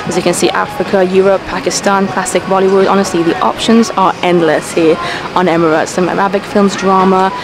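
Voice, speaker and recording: At a mid-range pitch with little pitch movement, this young woman talks a little fast and with few pauses as she vlogs from a business class airplane seat. A travel vlogger from a Persian-speaking family, she's chatty, enthusiastic and easily impressed, showing things to a handheld camera at arm's length. Background music runs under her voice.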